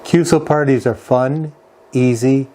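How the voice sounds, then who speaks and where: A man hosts an instructional video, explaining each step in a measured way. His pitch sits in the middle range for a man, and he takes his time with an unhurried delivery. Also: fairly even intonation, warm tone. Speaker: ham radio video host. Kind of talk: instructional narration, walking through a website.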